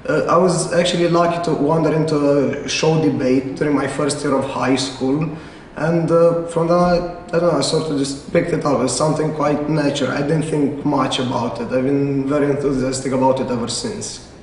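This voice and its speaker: A young man with a slightly high voice answers casually, dropping plenty of "uh"s between quick bursts of speech. He is recorded from a distance in a big, reverberant hall. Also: fairly even intonation, a little hiss or hum. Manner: lots of uh fillers, quick bursts. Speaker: debate judge. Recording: echoey hall, mic at a distance.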